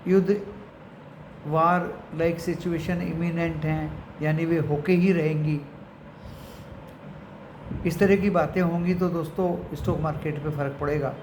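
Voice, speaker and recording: A man's voice: on the high side, steady tone, measured pace, long pauses. A man with an Indian accent giving unscripted market commentary to his viewers, mixing in English phrases and addressing them like friends. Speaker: stock market commentator and channel host. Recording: echoey room with clear background noise.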